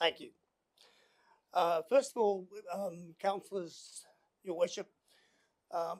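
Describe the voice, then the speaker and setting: This is a man speaking with a New Zealand accent. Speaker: former councillor making a submission. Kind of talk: public hearing submission. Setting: council chamber with microphone. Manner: moderated volume due to hearing loss.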